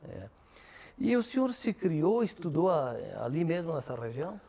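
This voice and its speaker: A man's voice: fairly high pitch, very animated, moderate pace, mellow, slightly rough. A man, hosting a TV interview in a conversational way. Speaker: TV interview host.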